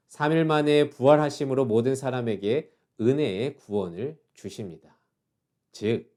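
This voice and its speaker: Male pastor, middle-aged, mellow tone; calm, measured devotional delivery with soft endings. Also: medium pitch. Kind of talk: short devotional sermon.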